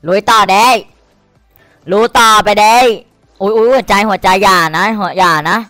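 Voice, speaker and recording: Excitable crude-talking man with a lilt. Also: high voice, normal speed, dry recording, soft background music. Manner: excitable and crude, cursing and pleading at the game. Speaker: slot game streamer. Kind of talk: excited gameplay commentary.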